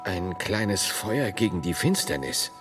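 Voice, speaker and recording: Casting: grave scholarly monk, radio drama, low voice, deliberate and formal, with strongly varied melody. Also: male voice, big pitch swings, music in the background. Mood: puzzled, grave. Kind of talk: radio play acting.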